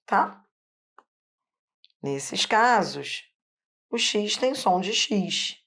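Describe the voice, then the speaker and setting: A woman's voice: mid-range voice, animated, drawn-out words, creaky, fairly bright tone. A woman teacher with a Carioca accent from Rio, patiently explaining a phonetics lesson step by step. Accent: Carioca Brazilian Portuguese. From Rio de Janeiro. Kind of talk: online phonetics lesson at a board.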